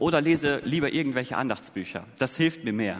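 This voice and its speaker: A man talks at a fairly quick pace in an unremarkable speaking voice with lively intonation. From Germany. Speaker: preacher. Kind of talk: sermon.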